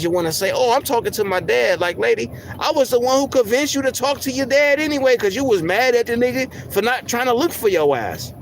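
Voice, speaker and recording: A man with a soft, squeaky voice ranting heatedly on a livestream, swearing a lot and stumbling over repeated words. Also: slight background noise. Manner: heated, profane, repeats words when worked up. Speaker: livestream host. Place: in a car.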